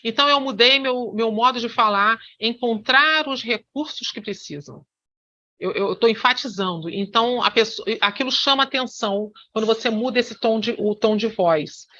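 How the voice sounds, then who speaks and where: A woman with a bright, sharp voice teaches hypnosis in an online lesson. She explains with many fillers and restarts. The recording is dull and lo-fi, like a video call. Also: fairly high pitch, moderate pace, hardly any pauses.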